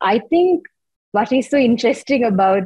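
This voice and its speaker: Somewhat breathy, a woman speaks at a fairly slow pace against a quiet background. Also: dry sound with no echo. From Sri Lanka. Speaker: panel moderator and writer. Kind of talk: panel moderation. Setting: video call. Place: home room. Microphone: video call.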